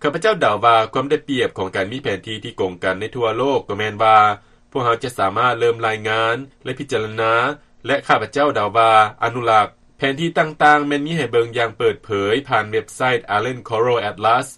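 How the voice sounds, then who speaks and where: A man with a Lao accent delivers a scripted news report. His voice is mid-pitched, with a sharp, forceful brightness. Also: brisk.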